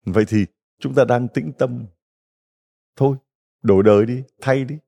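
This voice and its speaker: A man's voice: medium pitch, measured pace, creaky, mellow. A middle-aged man, a Catholic priest, giving a folksy retreat homily full of stories and rhetorical questions to the congregation.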